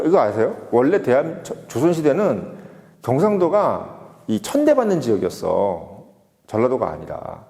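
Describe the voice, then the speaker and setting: A man's voice: a little high, dark tone. Emphatic man lecturing in a reverberant room. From Seoul. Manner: emphatic, lecturing with rhetorical questions. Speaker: political commentator. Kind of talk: opinion monologue.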